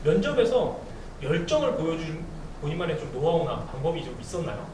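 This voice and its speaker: Lively high-voiced male host. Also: fairly quick. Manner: upbeat, reads listener questions aloud. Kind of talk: hosting a talk concert. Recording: echoey event hall, distant mic, noisy.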